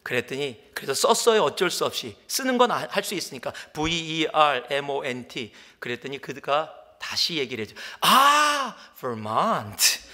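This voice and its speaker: Korean pastor, male, bright high voice, big swings, reverberant church hall. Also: moderate pace, few pauses. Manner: animated storytelling, acts out dialogue, drops to whispers. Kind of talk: sermon. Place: church sanctuary.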